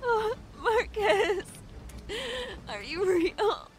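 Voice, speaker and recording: A woman's voice: very high-pitched, animated, very slow, soft background music, heavily acted. An actress playing a terrified young woman who has escaped a killer, crying and frantic.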